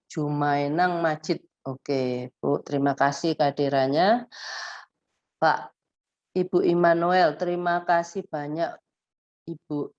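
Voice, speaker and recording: A woman, an autism therapist giving a live-streamed lesson to parents, talking animatedly and mixing in English words. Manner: animated, acts out high exaggerated example phrases; mixes English words into her talk. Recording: dull lo-fi stream audio.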